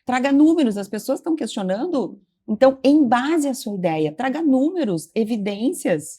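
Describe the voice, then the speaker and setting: A woman's voice: a little high, big pitch swings, normal speed, mellow, husky. A woman, a communication trainer who explains and gives advice in an assured, instructive way. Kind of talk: expert explaining on a talk show.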